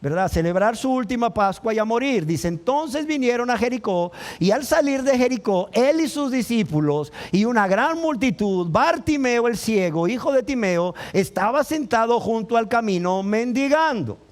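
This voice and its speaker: A man's voice: extremely high pitch, lively intonation, normal speed, hardly any pauses. A male pastor preaching a sermon with passion, often acting out the voices of the people in his story. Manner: impassioned preaching, acting out voices of the crowd and the blind man.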